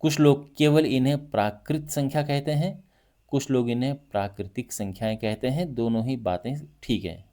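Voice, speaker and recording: A male math teacher giving a lively classroom lesson, talking through each point with frequent check-ins to his students. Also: mid-range voice, moderate pace. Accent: Hindi.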